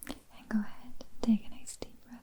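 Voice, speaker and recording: A woman playing a gentle, reassuring doctor in an ASMR exam roleplay, speaking slowly in a breathy whisper. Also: natural voice. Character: gentle, soothing female doctor examining a patient.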